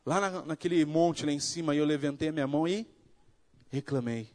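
Brazilian guy preaching his testimony, acts out the voices, gets real fired up, kinda high voice. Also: brisk. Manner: animated storytelling, acts out dialogue; rising to fervent preaching. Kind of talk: sermon testimony.

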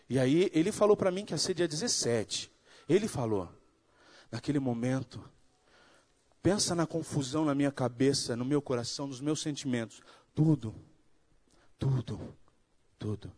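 A man from Brazil giving a sermon testimony, acting out the dialogue in his story and building to fervent preaching. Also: medium pitch. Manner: animated storytelling, acts out dialogue.

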